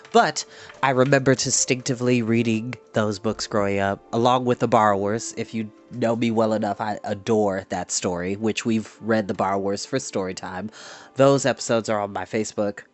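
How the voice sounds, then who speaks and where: A man hosting a storytime show, chatting to his audience in a theatrical, animated, exuberant manner. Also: lowish voice, moderate pace. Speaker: storytime host reading books aloud. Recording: music behind the voice. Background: background ambience music.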